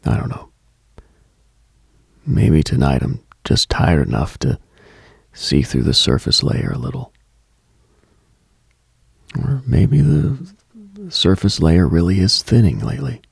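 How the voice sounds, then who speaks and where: A man hosting a late-night mystical radio show, delivering a scripted monologue in a hushed, contemplative, brooding manner. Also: sits low, very animated, slow, creaky, long pauses, breathy edge, dry recording.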